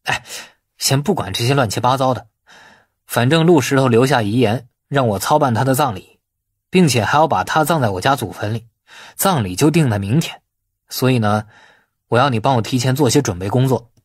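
Man voicing a husky, shrewd, bossy man. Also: medium pitch, animated, brisk, no echo, clean studio sound. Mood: matter-of-fact. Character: shrewd, bossy man giving orders by phone.

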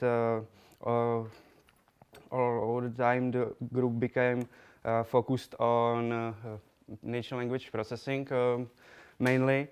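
A young man with a Czech accent giving a slide talk in a lecture room, speaking haltingly with many fillers and restarts. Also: medium pitch, clear, resonant tone. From Czech Republic.

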